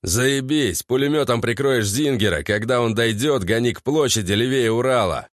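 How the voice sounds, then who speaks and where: Man voicing a gruff cursing squad commander. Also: medium pitch, normal speed, dry recording, studio quality, close to an everyday voice. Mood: commanding. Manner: curt barked orders with swearing. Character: gruff male squad commander, blunt, swearing. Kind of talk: audiobook character voice.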